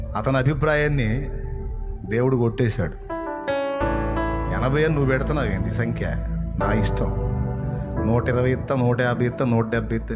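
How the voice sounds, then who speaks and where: A man preaching a sermon in a way, firing rhetorical questions and swinging from loud challenges to low, earnest appeals.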